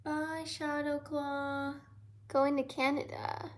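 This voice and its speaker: A young American woman hosting a casual livestream, reading viewer comments aloud and often slipping into soft whispers. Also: sits high, little pitch movement, takes it slowly. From United States. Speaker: livestream host.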